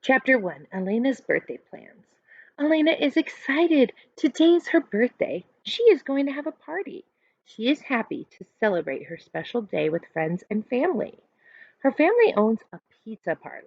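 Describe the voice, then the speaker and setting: Lively high-voiced woman reading to children. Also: normal speed, no echo. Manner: expressive, instructive delivery for children. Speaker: teacher reading a children's book aloud. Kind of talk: read-aloud storytelling with explanations. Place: small furnished room indoors at home. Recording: dull lo-fi webcam sound.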